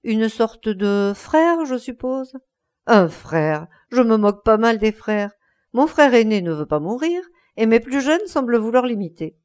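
A woman's voice: on the high side, sing-song, a little slow, a little mellow. A woman reading aloud voicing a cynical, witty young aristocrat in an airy, ironic manner.

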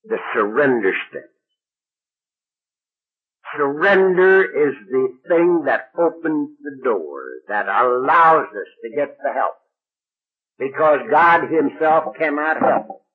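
Folksy older man, husky old recording. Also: mid-range voice, expressive, slow, phone-quality sound. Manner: folksy, plain-spoken, dramatic retelling. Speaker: recovery meeting speaker. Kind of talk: storytelling talk to an audience.

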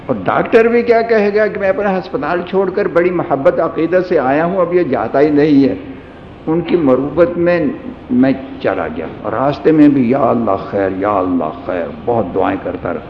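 A man's voice: a little high, expressive, slight background noise. A man giving a sermon, telling a humorous personal anecdote in a storytelling manner. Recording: echoey hall, dull lo-fi sound.

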